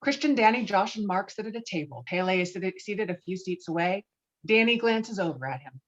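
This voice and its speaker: Woman reading script directions, mid pitch, kinda muffled lo-fi sound. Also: animated, brisk. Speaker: stage directions narrator. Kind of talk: scripted screenplay narration. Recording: dull, muffled remote-call audio.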